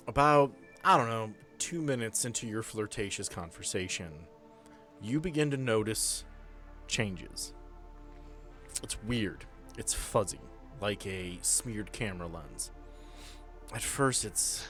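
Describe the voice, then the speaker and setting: Low-voiced man running a tabletop game. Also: a bit bright. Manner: informal, profane. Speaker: game master. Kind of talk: narrating a tabletop horror game with casual banter.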